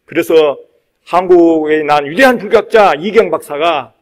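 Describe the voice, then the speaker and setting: A man's voice: a little high, normal speed. A man, a Buddhist monk, delivering a dharma talk in an emphatic, repetitive preaching manner with conversational asides to his listeners. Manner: emphatic, repeats key phrases for stress. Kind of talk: sermon.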